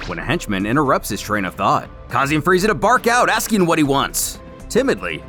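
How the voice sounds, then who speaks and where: A man's voice: medium pitch, fairly bright tone. A man narrating a scripted story recap as the storyteller. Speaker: narrator recapping a comic series.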